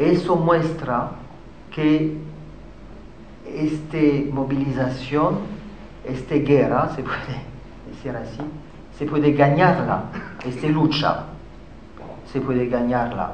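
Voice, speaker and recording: In a French accent, a man with a fairly high pitch talks at a very slow pace with fairly even intonation and long, frequent pauses, amid audible room echo and noticeable background noise. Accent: French accent in Spanish, non-native. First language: French (speaking Spanish). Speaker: activist speaker on trade policy. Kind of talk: lecture. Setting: stage with audience. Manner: halting.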